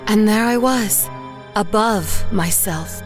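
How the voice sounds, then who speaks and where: An actress playing a haunted woman painter who narrates horror in a measured, literary way. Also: medium pitch, soft background music, lightly acted. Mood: grim, resigned. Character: haunted woman painter narrating her own murder, dazed and grim. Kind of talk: first-person horror audio drama narration.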